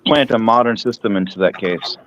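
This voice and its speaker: A man joining a casual stream chat through a phone video, talking in a halting, hesitant way. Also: on the low side, noisy background. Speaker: stream guest. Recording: dull lo-fi phone audio.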